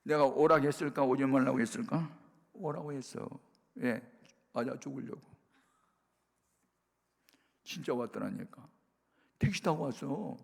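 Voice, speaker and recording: A male pastor giving a sermon testimony, telling his story with animated bursts of loud emphasis. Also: medium pitch, unhurried, gravelly, long pauses. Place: prayer retreat sanctuary. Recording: reverberant worship hall.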